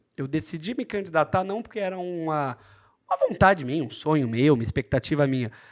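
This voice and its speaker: This man has a normal speaking voice, fairly high in pitch, with lively intonation, recorded with a dry, close sound, no echo and a quiet background. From São Paulo, Brazil. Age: 20s. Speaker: state legislator. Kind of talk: interview.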